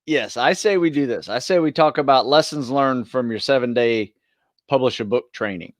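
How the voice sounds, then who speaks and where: A man co-hosting a podcast in casual chat, easygoing and a bit halting as he talks. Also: medium pitch, no room sound, studio quality. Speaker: podcast co-host and fitness group trainer.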